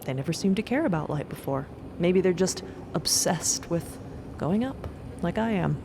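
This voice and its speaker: A woman plays an earnest male scientist in a fiction podcast. The voice sits a little low and sounds reflective and heartfelt, with clear ambient noise underneath. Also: expressive, moderate pace. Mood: musing. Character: earnest, wistful male scientist moved by exploration.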